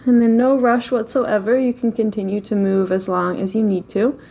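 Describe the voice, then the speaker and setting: A woman leading a slow guided meditation in a gentle, unhurried way, with long pauses between phrases. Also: medium pitch, level tone, creaky.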